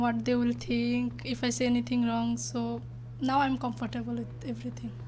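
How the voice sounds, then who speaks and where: A woman with a Bengali accent at a moderate pace. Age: young. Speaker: learner volunteer. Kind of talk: interview answers. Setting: studio. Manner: halting.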